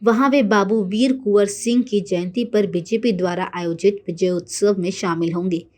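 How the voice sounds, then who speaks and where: A woman news anchor reading a scripted bulletin in a formal, measured manner. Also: medium pitch, fairly even intonation, darkish tone.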